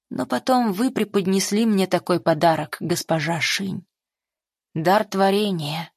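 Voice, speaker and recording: A woman voicing a remorseful male emperor, speaking quietly and low in a confessional tone. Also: vocal fry, dry recording, studio quality, full character voice. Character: brooding remorseful male emperor, a great khan. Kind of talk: audiobook character voice.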